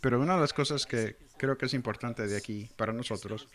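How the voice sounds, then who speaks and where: A man's voice: medium pitch, brisk, a bit bright. A man delivering a verse-by-verse sermon in translation, earnestly reading scripture and explaining it. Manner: earnest, explanatory, reads scripture then comments. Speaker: Spanish translator of a pastor's sermon.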